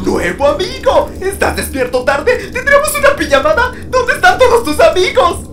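Game sun animatronic: manic, over-friendly, frantic, Latin American accent, very animated, music behind. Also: male voice, very high voice, moderate pace, far from the mic, voice pushed up, heavily acted. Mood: excited, welcoming. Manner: exclamatory, frantic, hyper-cheerful babbling. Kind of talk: game character fan dub.

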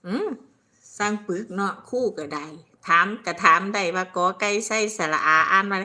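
An older woman with a bright, clear Isan accent hosts a relaxed live stream. She rambles chattily, reads out viewers' comments and laughs often between her stories. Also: mid-range voice, moderate pace. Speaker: livestream host.

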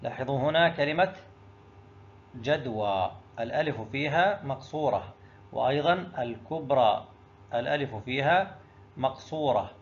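A man's voice: mid-range voice, normal speed, lo-fi sound. A male teacher going through an exam review lesson, explaining each answer step by step and asking himself questions before answering them. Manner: addresses students directly.

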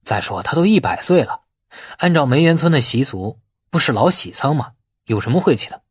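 A man voicing a shrewd, bossy man who gives orders in a brisk, casual, persuasive way in an audiobook. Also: mid-range voice, sing-song, breathy edge, no echo.

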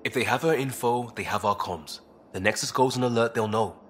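An actor playing an earnest, guilt-ridden young crewmate in a video game, speaking in halting, informal, clipped phrases. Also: male voice, medium pitch, fairly bright tone, slight background noise, lightly acted. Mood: guilty, uneasy. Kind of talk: video game cutscene dialogue.

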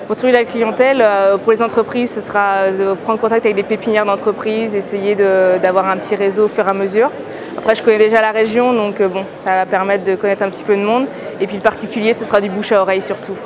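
A woman's voice: medium pitch, fairly even intonation, quick pace. A young woman in her twenties interviewed at a crowded trade fair, matter-of-fact as she lists her plans. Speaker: aspiring business founder. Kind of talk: street interview. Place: busy indoor exhibition hall. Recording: busy crowd noise behind. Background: crowd chatter.

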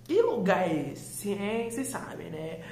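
A woman's voice: medium pitch, sing-song, measured pace, noisy background. A woman with a São Paulo accent, talking casually to her phone camera at home, rambling with many fillers and restarts. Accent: São Paulo Portuguese. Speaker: vlogger. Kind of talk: casual chatty vlog. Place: at home indoors.

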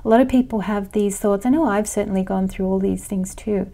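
A woman's voice: mid-range voice, brisk, mellow. A woman in her thirties with an Australian accent tinged by American and English, chatting casually to camera from her living room on a lapel mic. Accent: Australian with some American and English. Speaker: astrology channel host. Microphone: clip-on lapel mic.

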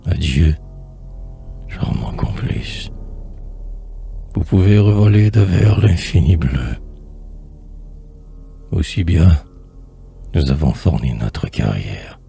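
A man's voice: rumbling low, takes it slowly, vocal fry, long pauses, warm tone, faint music behind. A man reciting poetry in a solemn, theatrical manner, drawing out phrases and at times sinking toward a whisper. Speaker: poetry reader.

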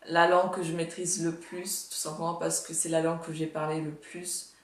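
A woman's voice: low-pitched, flat delivery, distant mic. Chatty nineteen-year-old woman, roomy sound. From Russia and Canada. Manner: chatty, self-mocking, quick asides. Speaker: youtuber reacting to her old videos. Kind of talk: casual reaction vlog. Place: home office at a desk. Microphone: earphone headset mic.

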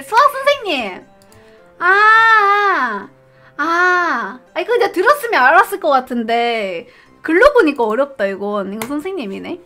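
Young female streamer, high, bright voice, reads questions aloud and thinks through them, faint music underneath. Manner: reads questions aloud, puzzles over answers, laughs often. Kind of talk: casual live-stream quiz commentary.

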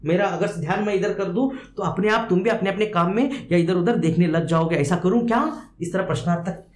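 Brief: male Hindi teacher, high voice, explains each verse through repetition, echoey room, faint hiss. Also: brisk. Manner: repeats words and gives synonyms, pitch rising when quoting verse. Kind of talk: explaining a poem line by line.

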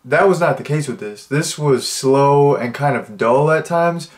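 Young guy all stuffed up, rambling through a movie review, mid pitch. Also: expressive, measured pace. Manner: rambling, many restarts and fillers. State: stuffed-up nose. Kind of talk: casual spoken review, thinking out loud.

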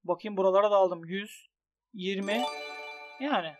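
A young man commenting on his bets as a gaming YouTuber, excitable and swinging from grumbling to shouting. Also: sits high, normal speed, soft background music. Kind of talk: commentary on an online gambling site.

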